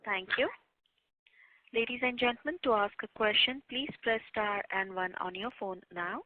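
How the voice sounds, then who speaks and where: Female conference operator, medium pitch, formal scripted announcements, dry phone audio. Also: moderate pace, no room sound. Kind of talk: scripted, formal call moderation. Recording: dry, narrow phone line.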